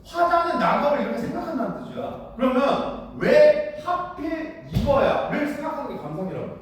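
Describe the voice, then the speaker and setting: A man teaching high school literature in a lecture room, blunt and casual, constantly asking students whether they follow. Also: sing-song, moderate pace. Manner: keeps checking understanding with rhetorical questions; blunt, casual, with mild slang. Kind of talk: classroom lecture. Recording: very echoey room, far from the mic, faint noise.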